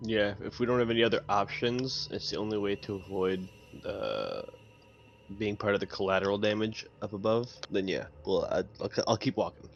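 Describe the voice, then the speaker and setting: A man's voice: lowish voice, moderate pace, vocal fry. A man talking casually as a player in a tabletop game, over a dull and slightly noisy mic.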